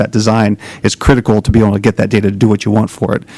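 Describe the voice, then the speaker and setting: The sound is dry and close with no echo, though background noise is noticeable. A man speaks in a fairly low, monotone voice with flat intonation. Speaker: IT solutions company director. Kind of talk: panel discussion. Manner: fast.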